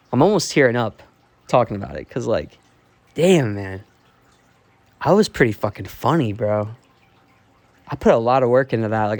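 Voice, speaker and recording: A young male streamer rambles candidly in a casual monologue, swearing heavily and using lots of fillers. His medium-pitched voice has no room sound, captured on a phone he holds while walking through a dark basement.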